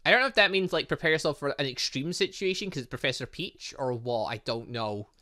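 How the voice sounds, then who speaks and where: Gamer host, male, bright and sharp, chatty, rambling jokey asides, let's-play style. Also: medium pitch, animated, fairly quick. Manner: chatty, joking asides while reading a visual novel. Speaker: gaming channel host. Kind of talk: casual let's-play commentary.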